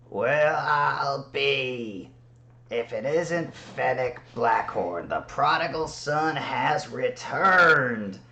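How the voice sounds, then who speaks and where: This is a put-on character voice, raspy in texture. It moves at a very slow pace. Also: man, fairly high pitch for a man. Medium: actual play. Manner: folksy drawl.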